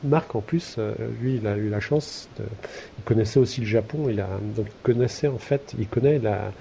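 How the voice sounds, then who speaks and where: A man's voice: on the low side, normal speed, vocal fry, warm tone, a little hiss or hum. A man co-hosting a podcast in casual chat, talking hesitantly with many fillers and restarts. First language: French. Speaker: podcast co-host.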